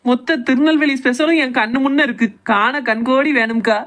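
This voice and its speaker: A woman's voice: high-pitched, fairly quick, a bit bright. A woman voicing a playful, teasing young village woman with a Tirunelveli Tamil accent who is fond of food.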